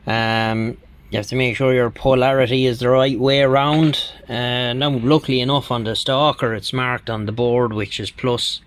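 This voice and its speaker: A man's voice: mid-range voice, fairly even intonation, normal speed, a little hiss or hum. Rambling middle-aged man at a workbench. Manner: rambling, full of ums and you-knows, plain-spoken. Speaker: radio hobbyist channel host. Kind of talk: casual hands-on demonstration.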